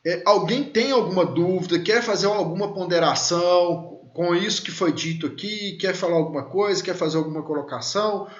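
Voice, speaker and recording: A man's voice: sits high, fairly quick, few pauses. A man in his thirties, a law lecturer, teaching through chatty personal stories with many fillers and questions to his listeners. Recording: echoey, dull lo-fi room sound.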